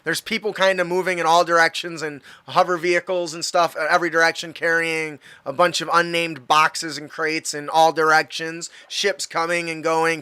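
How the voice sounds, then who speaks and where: Game master guy rambling thru a scene, bright gravelly voice, pretty high. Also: no echo. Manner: rambling, lots of ums and uhs. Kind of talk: narrating a tabletop game.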